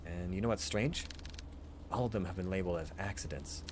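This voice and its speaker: A man's voice: sits low, a little fast, background noise, lightly acted. A man voicing a talkative, teasing male sidekick to a detective in a visual novel, in a conversational way. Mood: grave, confiding.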